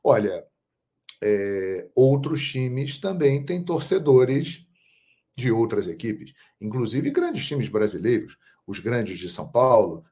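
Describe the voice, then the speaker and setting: Brazilian man, middle-aged, football channel host, unhurried emphatic monologue at mid pitch. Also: dark tone. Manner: measured, storytelling, emphatic on key phrases. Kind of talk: casual monologue to camera.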